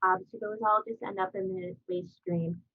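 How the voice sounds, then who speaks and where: A woman's voice: medium pitch, sing-song, moderate pace, gravelly, dry recording. A woman answering recycling questions in an online talk, her voice garbled and underwater-sounding from a bad video call, explaining plainly with many fillers. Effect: garbled, underwater-sounding call audio. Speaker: town recycling coordinator. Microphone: computer mic on a video call. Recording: muffled tinny video-call line.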